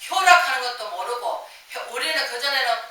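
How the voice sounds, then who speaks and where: An older woman pastor delivers a sermon in a bright, fairly high voice, firing rhetorical questions and answering them herself. She stands away from the mic in a church sanctuary with heavy echo. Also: expressive, a little fast. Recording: echoey room, voice from far off the mic.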